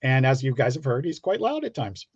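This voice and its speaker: A middle-aged man from the Pittsburgh area in the United States, chatting casually as a guest and telling rambling, halting anecdotes. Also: mid-range voice, big pitch swings, husky. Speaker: guest comic book creator. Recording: dull lo-fi, roomy call audio.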